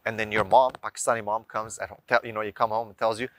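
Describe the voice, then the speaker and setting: A man's voice: fairly low pitch, level tone, fast talker, fairly bright tone, slight background noise. A man giving an informal explanatory talk as a religious advice speaker, teaching emphatically with rhetorical questions and lists of examples. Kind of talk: informal explanatory lecture to viewers.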